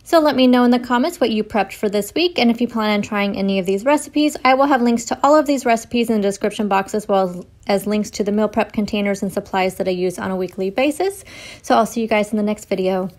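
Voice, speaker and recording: A woman's voice: medium pitch, fast talker. A young adult woman walking through a recipe step by step in a home kitchen cooking tutorial. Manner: steady step-by-step instructional. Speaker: cooking vlogger.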